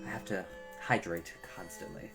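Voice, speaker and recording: A woman's voice: rumbling low, moderate pace, music in the background. A woman with an American accent narrating a children's book as a storytime host, dramatic and given to wry asides. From Cleveland, United States. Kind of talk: expressive children's audiobook narration.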